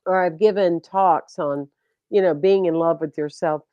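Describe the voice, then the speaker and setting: A woman's voice: lowish voice, steady tone, normal speed, dry recording, dull audio. A woman hosting a talk show, chatting with a guest in an emphatic way about her spiritual outlook. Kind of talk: interview chat.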